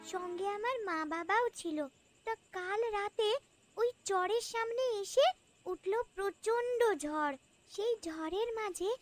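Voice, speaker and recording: A woman voicing a young, earnest and sad village girl in a cartoon story. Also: very high-pitched. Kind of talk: Bengali cartoon story dialogue. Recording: music playing behind the voice.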